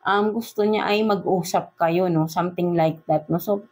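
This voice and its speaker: This woman's voice sits on the low side, steady and somewhat dark, with a Filipino accent. She's a tarot reader doing a relaxed, talkative reading in Taglish, moving slowly, using lots of fillers, and tagging lines with "no?" and "right?" again and again.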